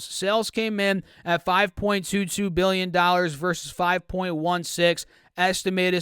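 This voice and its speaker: A man's voice: high-pitched, fairly bright tone, clear, resonant tone, dry recording, studio quality. A man giving casual stock market commentary, reading earnings numbers with chatty asides. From United States.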